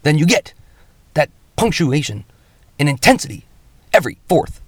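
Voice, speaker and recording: A slightly high, sing-song voice with a breathy edge and moderate pace belongs to a comics artist hosting a lettering show. He explains things informally, thinking aloud, cutting in on himself and stressing points with emphatic shifts in tone. No echo.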